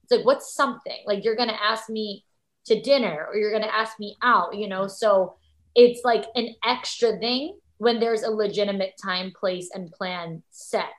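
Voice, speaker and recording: Young woman host, middle-pitched voice, eager and affirming, casual chat, stumbles over repeated words. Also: moderate pace. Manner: enthusiastic, affirming, repeats words while thinking. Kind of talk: casual podcast conversation.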